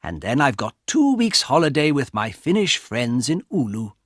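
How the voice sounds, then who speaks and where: A man reading aloud voices a quiet, mild man of fifty thinking to himself. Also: mid-range voice, sing-song, moderate pace, dry recording, studio quality. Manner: mild, thoughtful. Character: quiet, fussy fifty-year-old man.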